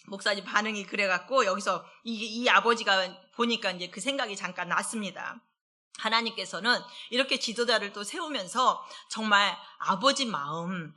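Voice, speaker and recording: Bright-voiced woman pastor preaching. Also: mid-range voice. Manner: chatty, asks the congregation rhetorical questions; slows down when reading scripture aloud. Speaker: associate pastor. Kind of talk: conversational midweek sermon. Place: church service.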